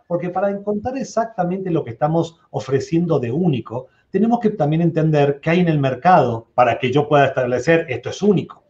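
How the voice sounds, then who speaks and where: A middle-aged man speaking as an expert guest on a webinar panel, explaining in a conversational, lively way. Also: a little high. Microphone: video call, laptop mic. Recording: muffled video call audio.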